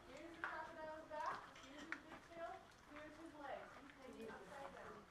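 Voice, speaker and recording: A woman guide with a very high voice speaks with cave echo, heard from a distance as it rings off the limestone walls. She is upbeat, points out the sights and calls directions to her group. Steady background noise runs beneath her voice. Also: normal speed. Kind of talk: guided tour talk to a group.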